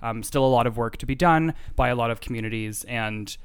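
A man's voice: mid-range voice, brisk, clear, resonant tone. Rambling podcast co-host guy. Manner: rambling, filler-heavy, jokey. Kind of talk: casual podcast chat.

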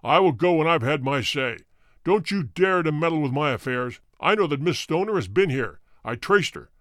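A man's voice: on the high side, very animated, unhurried, dry recording, studio quality. A man voicing a huge, fierce old country doctor who snarls threats furiously.

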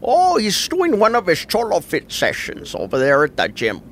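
A man plays an older cholo homeowner who rambles through long stories and loses his thread mid-sentence. His voice is high and gravelly with big swoops in pitch, as in a comedy sketch. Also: huge pitch swings, moderate pace, a bit bright, a little hiss or hum, full character voice. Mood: casual. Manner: drawling, rambling, trails off mid-thought. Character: older laid-back male cholo homeowner, rambling storyteller.

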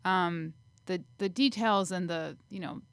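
A woman's voice: fairly low pitch, measured pace, vocal fry, smooth, no room sound. A woman co-hosting a sports podcast in a casual, conversational style. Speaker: podcast co-host.

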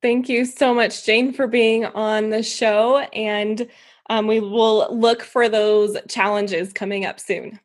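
A woman's voice: fairly high pitch, flat delivery, takes it slowly. A woman hosting a podcast, talking reflectively with frequent fillers. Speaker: podcast host. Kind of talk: casual interview chat.

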